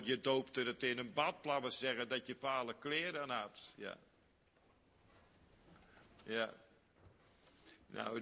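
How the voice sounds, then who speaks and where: A man preaching a sermon slowly and emphatically, repeating phrases and swinging from loud high outbursts to quiet low asides. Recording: dull lo-fi recording in a reverberant hall.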